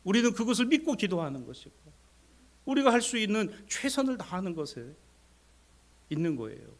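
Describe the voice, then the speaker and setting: A male pastor delivers a sermon in a high, lively voice that climbs and drops sharply. He moves between raised, urgent exhortation and near-whispered asides, speaking straight to his congregation and acting out the voices of people in the story. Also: a little fast. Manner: addresses congregation directly, acts out voices of people and God.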